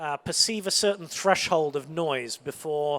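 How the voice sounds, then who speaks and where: A man with a British accent, fairly high pitch and a fairly slow pace. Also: dry, close sound with no echo. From UK. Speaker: acoustics consultant. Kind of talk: conference presentation. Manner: hesitant, many fillers.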